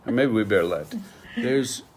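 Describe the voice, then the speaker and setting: An American man, middle-aged, teaching a slang lesson with slow, patient explanations and examples. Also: on the low side, lively intonation, a little mellow.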